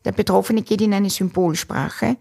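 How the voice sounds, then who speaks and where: A woman, a dementia care expert giving measured answers in an interview, pausing often with fillers. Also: medium pitch, fairly even intonation, gravelly, warm tone.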